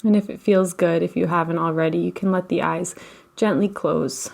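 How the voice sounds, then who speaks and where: A woman leading a guided relaxation as a meditation teacher, speaking in a gentle, unhurried, soothing way with long pauses. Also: on the low side, fairly even intonation, creaky. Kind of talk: guided meditation, slow instruction.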